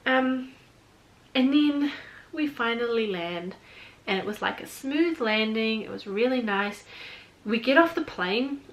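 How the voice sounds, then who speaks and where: Kiwi girl vlogging a travel storytime, bit high-pitched, chatty and rambly, says like a lot. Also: fairly bright tone, poor audio. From New Zealand. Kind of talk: casual storytime chat.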